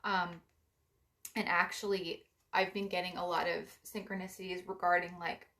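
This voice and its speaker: A young woman with a raspy voice giving a casual spiritual card reading, meandering with gentle advice. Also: fairly low pitch, level tone, moderate pace. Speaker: psychic card reader.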